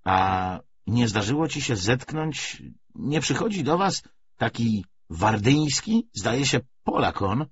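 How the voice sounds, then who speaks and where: A man voicing an excitable, abrupt army officer in a wartime audiobook. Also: mid-range voice, takes it slowly, breathy edge, muffled recording, heavily acted. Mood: curious.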